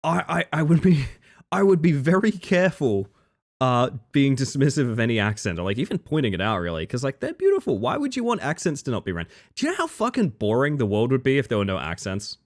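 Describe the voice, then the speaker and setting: Chatty Australian man with lively pitch. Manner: chatty, reads chat aloud, swears casually, drawn-out musing. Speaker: streamer. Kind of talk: casual live-stream chat while gaming.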